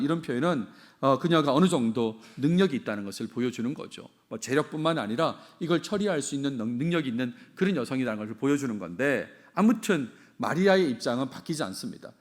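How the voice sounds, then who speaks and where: A middle-aged man preaching a sermon as senior pastor, repeating key phrases and putting questions to the congregation. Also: medium pitch.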